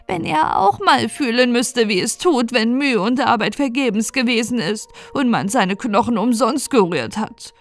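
A woman voicing a scheming old witch who coaxes and coos in a sing-song way, with soft music behind. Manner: coaxing, sing-song cooing, high and loud. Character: scheming old female witch, sly and wheedling.

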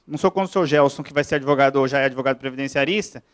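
A man from Brazil, a lawyer giving a classroom lecture, talking fast and chatty and checking in with his audience. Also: mid-range voice, smooth. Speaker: lawyer lecturing on pension law.

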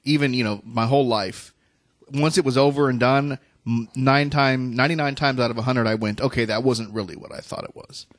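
A man's voice: medium pitch, fairly even intonation, fairly quick, no room sound, studio quality. A man hosting a podcast, talking casually and conversationally. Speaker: podcast host.

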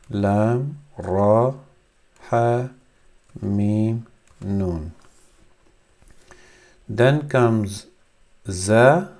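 A man in his thirties whose first language is Urdu, teaching a reading lesson with slow, halting explanations and many fillers. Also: on the low side, gravelly, a little mellow. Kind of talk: screen-recorded reading lesson.

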